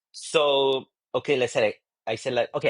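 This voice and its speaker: Against a quiet background, a man with a Spanish accent speaks at a moderate pace, the sound dry and close with no echo. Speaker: psychiatrist and researcher. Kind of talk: podcast interview. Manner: halting, many fillers and repeats.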